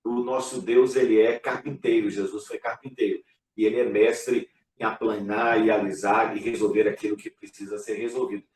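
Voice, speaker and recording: Low-voiced pastor in an echoey room. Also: male voice, level tone, normal speed, a little mellow, distant mic. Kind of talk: casual church live talk.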